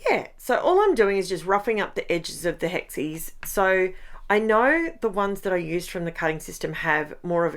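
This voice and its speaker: Chatty croaky woman. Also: on the low side. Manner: chatty, rambling, self-interrupting. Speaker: scrapbooking vlogger. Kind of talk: casual craft voice-over.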